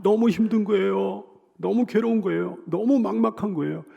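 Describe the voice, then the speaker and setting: A middle-aged male pastor preaching a sermon, swinging from loud emphatic cries to soft hushed lines, with repeated pleading phrases. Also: high voice, moderate pace, gravelly, slightly rough, dull audio. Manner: leads the congregation in call-and-repeat.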